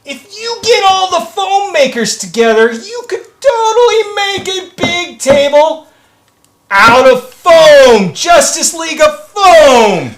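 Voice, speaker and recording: A man's voice: very high voice, sing-song, a bit bright, echoey room, a little hiss or hum. A man guesting on a casual livestream, joking and reading out viewer comments. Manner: joking, slow and drawn-out, reads chat aloud. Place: workshop.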